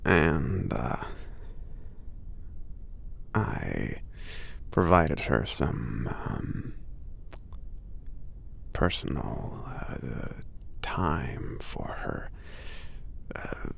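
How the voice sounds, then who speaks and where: A very low, heavily creaking voice of a kindly giant acted by a man in an ASMR roleplay. He murmurs very slowly and hesitantly, breathy and close to a whisper, with shy, polite gentleness. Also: very animated, exaggerated voice. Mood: gentle, reminiscing. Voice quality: breathy, husky. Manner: hesitant, murmuring, halting with many soft pauses. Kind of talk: ASMR roleplay, soft talking.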